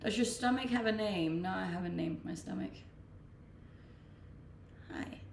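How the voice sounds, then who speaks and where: A young woman from Denmark, a native Danish speaker, chats casually on a live stream, reading questions aloud and answering them. Her voice has a gravelly edge. She sits a little back from the mic in a roomy space with faint background noise. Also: medium pitch, unhurried, recorded from a distance. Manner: relaxed, reads questions aloud then answers. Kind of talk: casual chat.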